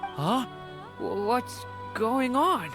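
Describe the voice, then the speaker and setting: Game role: compassionate young male hero, hesitant, slow delivery over music. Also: very high voice, big pitch swings, exaggerated voice. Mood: startled. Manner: hesitant, earnest. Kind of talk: video game voice acting. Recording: music playing behind the voice.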